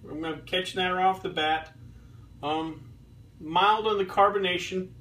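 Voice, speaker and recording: A man in his thirties reviewing beer in a relaxed, rambling way, with lots of ums and restarts, filmed in his home kitchen. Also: sits high, measured pace, distant mic, low-quality recording. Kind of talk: casual beer review vlog. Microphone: fixed camera a few feet away.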